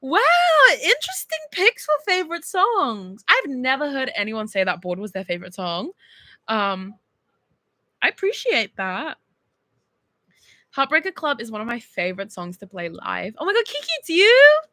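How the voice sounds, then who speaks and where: An Australian woman, a singer chatting casually on a livestream from her bedroom, bubbly and animated as she reads fan texts. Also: sits high, normal speed, dry recording.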